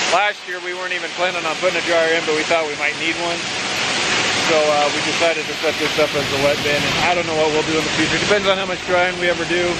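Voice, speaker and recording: A man talks at a very fast pace. The sound is dry with no echo, against loud background noise. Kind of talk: casual vlog explanation. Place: farm machine. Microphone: phone near.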